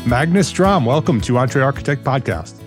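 A man's voice: medium pitch, lively intonation, moderate pace, faint music behind. A man hosting a podcast, introducing his guest and asking interview questions. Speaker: podcast host. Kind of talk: podcast interview and promo reads.

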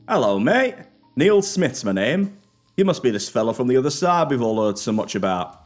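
A man's voice: medium pitch, very animated, faint music behind, pitched above the performer's own voice, natural voice. A man voicing an arrogant, short-tempered laborer with a boisterous, cocky manner. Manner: cocky, boisterous, quick to anger.

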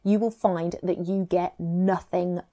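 A woman with an English accent hosting a scripted advice podcast in a tidy, measured way, setting out points clearly. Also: on the low side, steady tone, mellow. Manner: tidy, measured, numbered-tip delivery. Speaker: podcast host.

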